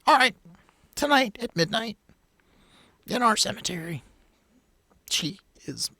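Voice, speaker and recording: A man voicing a careful male go-between in a tabletop game, haltingly relaying terms in a thin, breathy voice. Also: high voice, very animated, pushed and bright, no room sound, voice pushed up, exaggerated voice. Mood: tentatively agreeable. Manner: halting, piecing sentences together.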